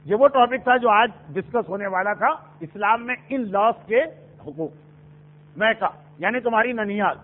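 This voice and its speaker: A man delivers a sermon in a very high voice, telling a story and acting out quoted lines with dramatic pauses. The recording is thin and tinny, like a phone line. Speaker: preacher.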